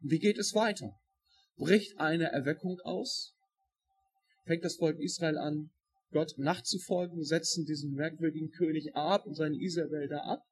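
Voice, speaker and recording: A man preaching a sermon, expressive and dramatic, acting out quoted voices with shifting loudness. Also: a little high, moderate pace, husky.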